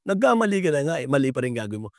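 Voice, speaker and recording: An older man, a veteran basketball referee, answering interview questions in a polite, halting way with many pauses. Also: on the high side, sing-song, a little mellow, no room sound, studio quality.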